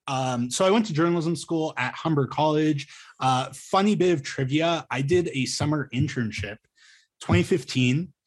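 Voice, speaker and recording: A man in his thirties from Ontario speaks in a mid-range voice over a video call. He talks casually, hesitating often and restarting his sentences as he explains himself. He comes across as a journalist thinking out loud. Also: mid-range voice, slightly rough. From Ontario, Canada. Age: 30s. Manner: hesitant, many ums and restarts. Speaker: journalist guest. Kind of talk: casual interview conversation.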